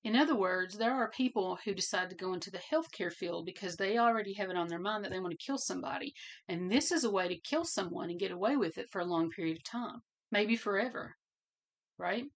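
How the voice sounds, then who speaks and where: A woman's voice: mid-range voice, brisk. A woman hosting a podcast, talking through her points alone in an earnest way and often repeating phrases for emphasis. She is losing her voice and coughs now and then. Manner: coughs and clears throat. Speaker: podcast host. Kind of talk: solo podcast commentary.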